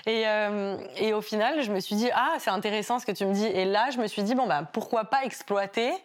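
A woman's voice: mid-range voice, a little fast. A young woman YouTuber with an accent between French and Québécois, telling her story in a casual interview and acting out quotes. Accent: mix of French and Québécois. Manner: animated storytelling, acts out quotes. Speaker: YouTuber guest.

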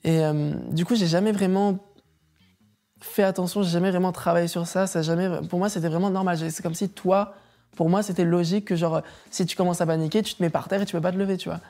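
A woman's voice: fairly low pitch, quick pace. A young adult woman, an interview guest, telling stories in casual chat, laughing often and acting out what others said. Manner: animated storyteller, laughs often, acts out quotes.

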